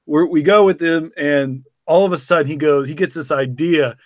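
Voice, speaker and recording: Guy with a slightly high voice, joking around telling stories on a podcast, dry mic. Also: moderate pace, dry recording. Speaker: podcast host. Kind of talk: casual chat and anecdote.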